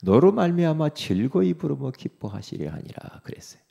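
A male pastor delivers an animated sermon with a heavily gravelly, husky voice. His tone is dark and low, and his pitch leaps around as he speaks God's reassurances straight to the listener, rising to loud exhortation and dropping to soft, near-whispered comfort. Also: normal speed, dull audio.

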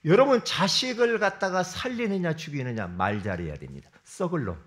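A middle-aged man preaching a sermon to his congregation. He swings between loud emphatic bursts and low asides. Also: expressive, normal speed. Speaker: pastor.

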